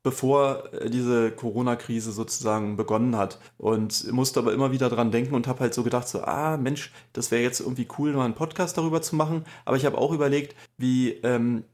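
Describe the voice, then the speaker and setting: A man's voice: medium pitch, steady tone, brisk, hardly any pauses, a little mellow. A man co-hosting a comic podcast, chatting casually with lots of fillers and restarts. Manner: rambling, many fillers and restarts. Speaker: podcast co-host.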